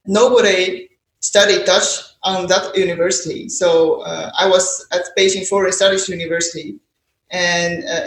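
A woman in her thirties from China, a native Mandarin speaker with a Chinese accent, telling her story conversationally as a podcast guest. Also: medium pitch. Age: 30s. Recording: echoey, roomy sound.

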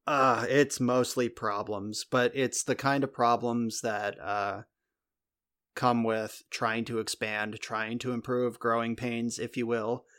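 A man's voice: medium pitch, level tone, slow pace, fairly bright tone. A man co-hosting a podcast, telling a rambling story in casual chat and swearing now and then, recorded on a podcast mic in a home room. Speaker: podcast co-host. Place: converted guest bedroom at home. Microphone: podcast mic in a home recording space.

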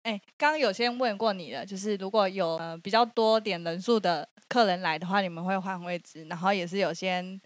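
A woman, co-hosting a podcast and retelling a story in a lively, laughing way. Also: mid-range voice, fairly quick, hardly any pauses, dry recording. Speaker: podcast co-host. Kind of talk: casual storytelling chat.

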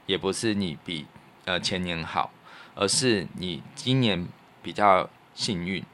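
Casting: male podcast co-host, low voice, Taiwanese Mandarin accent, earnest and reflective casual storyteller. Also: measured pace, fairly bright tone, slight background noise. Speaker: podcast co-host and radio professional.

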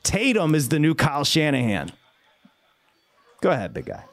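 A male sports-betting host on the radio, ranting with lots of energy and quick asides. His voice sits a touch high and jumps all over in pitch. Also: wildly swooping pitch. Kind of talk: casual sports radio talk.

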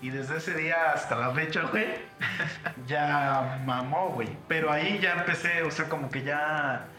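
Bright Mexican man telling stories. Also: on the high side, a little slow. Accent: Mexican Spanish. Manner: crude slangy storytelling, acts out quotes. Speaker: podcast host. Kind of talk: casual chat. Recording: roomy room with music behind.

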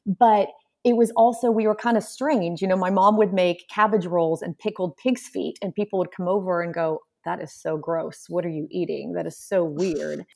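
A woman with a low voice that has a grainy, gravelly texture. Born in Poland, she talks in an easy interview style and tells lively stories, slipping into the voices of the people she quotes. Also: moderate pace. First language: Polish. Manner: animated storyteller, acts out quotes. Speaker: guest. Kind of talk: casual interview conversation.

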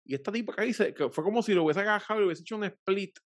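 A man with a Puerto Rican accent in casual chat, telling crude, animated stories full of swearing. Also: high voice, racing, dry recording, studio quality.

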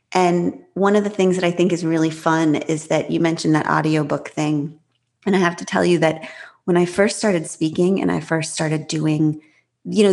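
Woman author, high voice, talks fast, lots of restarts, openhearted chatty guest. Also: creaky. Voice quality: high-pitched voice. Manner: fast, animated, self-revealing, many restarts. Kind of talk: casual interview talk.

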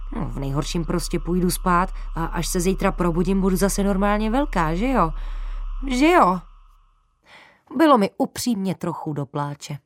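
Brief: woman, lively first-person storyteller for a kids' story, lowish voice, dry close sound. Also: no room sound. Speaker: narrator.

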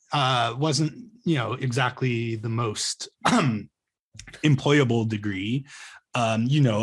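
A man's voice: medium pitch, husky. Hesitant Canadian man with many ums. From Ontario, Canada. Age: 30s. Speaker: journalist guest. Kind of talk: casual interview conversation. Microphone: video call.

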